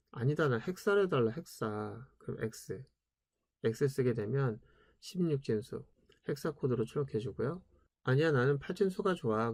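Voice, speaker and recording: A man's voice: medium pitch, warm tone, no echo, clean studio sound. A man giving a casual programming lecture, chatty, asking rhetorical questions and answering them himself.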